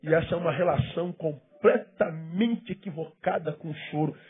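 A man preaching a sermon as pastor, climbing to emphatic questions and dropping to hushed asides. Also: fairly high pitch, moderate pace, husky. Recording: tinny phone-like sound with faint music behind.

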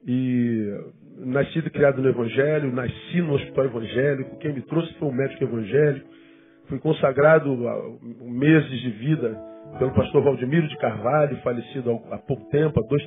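A fifty-year-old Brazilian pastor with a Rio de Janeiro accent, preaching conversationally to a congregation and repeating words for emphasis. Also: male voice, mid-range voice, normal speed. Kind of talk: sermon, conversational teaching to a congregation. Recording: thin phone-like sound, guitar music behind.

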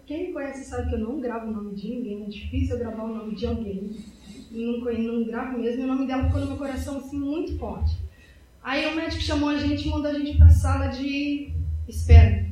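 Young woman, high mellow voice, heartfelt church testimony, repetitive telling. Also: a little hiss or hum, poor audio. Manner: emotional, repetitive storytelling. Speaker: church member giving testimony.

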